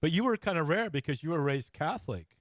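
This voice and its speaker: A man hosting a casual interview, informal and bantering, with halting phrasing. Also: on the high side, lively intonation, no room sound, clean studio sound. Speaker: interview host. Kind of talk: casual, jokey chat.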